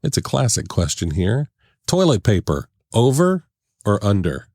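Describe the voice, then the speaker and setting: A man hosting a podcast, playful and chatty, laughing often as he runs a quick question round. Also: lowish voice, very animated, darkish tone, no echo, clean studio sound, faint music behind. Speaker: podcast host. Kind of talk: casual interview chat. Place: podcast studio.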